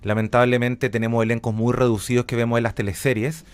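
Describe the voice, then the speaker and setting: A man's voice: mid-range voice, level tone, fast, smooth. A middle-aged man with a Chilean accent, talking conversationally as an interview guest and explaining his work reflectively. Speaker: interview guest, journalist and radio theatre director.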